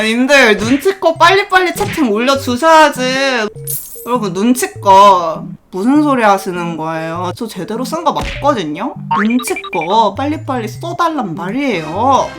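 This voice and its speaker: Animated young woman, cute anime-style streamer. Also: on the high side. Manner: giggly, playful, animated. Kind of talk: livestream chat in a cute anime streamer manner. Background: music.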